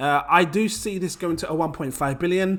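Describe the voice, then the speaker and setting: Speaking with a British accent, a man uses a high pitch and an animated tone at a moderate pace. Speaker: crypto YouTuber. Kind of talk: casual crypto investment talk.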